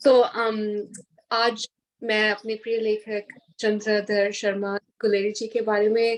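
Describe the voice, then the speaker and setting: A woman talks in a fairly high voice. Her intonation is monotone and flat. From born in Punjab, India, raised in Australia from age 8. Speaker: guest speaker, Hindi literature enthusiast. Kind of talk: presentation at online literary event. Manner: hesitant, many fillers.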